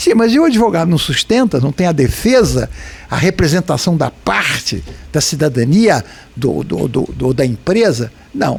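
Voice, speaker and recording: A man speaks at a fairly high pitch with very wide pitch swings and very even loudness. Noticeable background noise is present. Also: fairly slow pace. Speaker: lawyer. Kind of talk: podcast interview.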